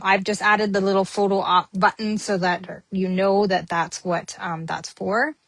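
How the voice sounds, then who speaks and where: A woman with a mid-range, fairly bright voice hosts a casual papercrafting tutorial, chatting away with lots of ums while she works on her project. There's no room sound.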